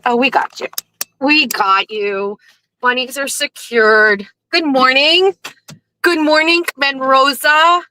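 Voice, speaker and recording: A woman's voice: fairly high pitch, sharp tone. A woman hosting a casual morning show from her car, chatting and laughing with a slightly scratchy, just-woke-up voice, speaking into a phone in a cradle. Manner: chatty, laughing, rambling asides. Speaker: host. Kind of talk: casual morning chat while driving. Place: inside a car.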